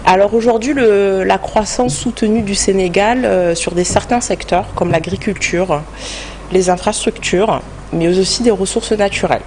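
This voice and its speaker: A French woman with a French accent appears as an expert guest, a human resources director, answering in a studio interview in a structured, explanatory way. Her medium-pitched voice is a little mellow at normal speed, with slight background noise.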